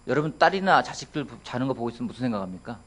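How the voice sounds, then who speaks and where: A man's voice: mid-range voice, lively intonation, racing, a bit bright, slight background noise. A man in his thirties, a pastor preaching a sermon in a church, asking his congregation questions and acting out quotes playfully. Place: church sanctuary.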